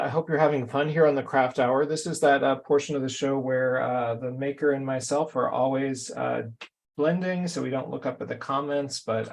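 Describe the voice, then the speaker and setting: A man's voice: mid-range voice, creaky, breathy edge. A man hosting a live craft show, chatting with his guest and talking directly to viewers in an upbeat way. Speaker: host.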